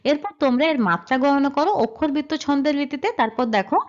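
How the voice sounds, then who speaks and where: A woman's voice: high-pitched, fast talker. A woman teaching a slide-based grammar lesson. She explains step by step and asks questions that she then answers herself. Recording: dull lo-fi sound.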